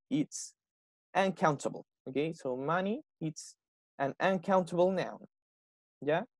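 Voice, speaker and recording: A man's voice: fairly high pitch, darkish tone, no room sound, clean studio sound. A young man with a Chilean accent teaching an online English class, explaining step by step and checking in with the students after almost every phrase. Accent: Chilean Spanish.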